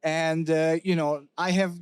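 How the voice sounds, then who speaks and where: Hungarian-born ceo guy, middle-aged, chatty and frank, lotsa "you know"s, kinda high voice. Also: a little slow, clear, resonant tone, no echo. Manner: candid, animated, many fillers and restarts. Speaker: company CEO, guest. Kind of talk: casual interview talk.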